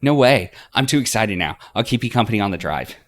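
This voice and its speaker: Man putting on an eager, sweet young woman, raised pitch. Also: lively intonation, quick pace, a bit bright, soft background music. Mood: excited. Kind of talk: visual novel dialogue.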